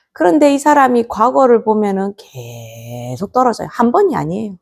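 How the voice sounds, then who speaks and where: A woman's voice: lowish voice, a little mellow. A woman, a Buddhist nun, gives a temple lecture, telling a story and posing questions to her class.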